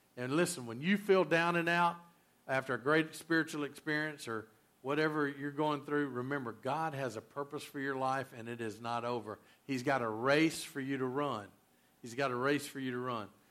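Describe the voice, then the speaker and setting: With a Southern US accent, a man talks at a moderate pace in a fairly high pitch, using ordinary pitch variation. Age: 60s. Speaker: pastor. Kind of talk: sermon. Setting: church.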